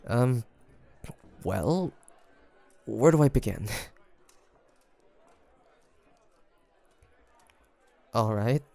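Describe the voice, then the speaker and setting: Man acting a halting, gravelly young demon hunter. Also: medium pitch, dark tone. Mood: flustered, sheepish. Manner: hesitant, halting, stammering. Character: young male demon hunter, flustered, haunted by childhood loss. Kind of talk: scripted audio roleplay monologue.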